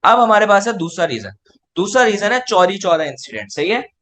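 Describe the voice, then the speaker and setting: A man's voice: high-pitched, big pitch swings, a little fast, fairly bright tone. A male teacher with a Pakistani Urdu accent, giving an online class lecture and answering his own rhetorical questions.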